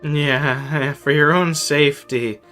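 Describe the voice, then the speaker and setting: A man's voice: on the high side, fairly even intonation, slow pace, pushed and bright. A young man chatting casually with viewers while streaming a game, slangy, joking and sweary. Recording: game music faintly behind.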